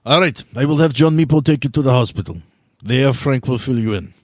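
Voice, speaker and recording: A man playing a proud, formal vampire official who is weary of bureaucracy and speaks in measured phrases. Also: medium pitch, dry recording, clean studio sound, lightly acted. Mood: businesslike.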